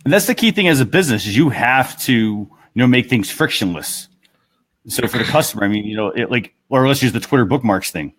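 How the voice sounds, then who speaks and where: A man hosting a casual panel discussion, talking a little haltingly as he thinks aloud. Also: mid-range voice, animated, fairly bright tone. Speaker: talk show host.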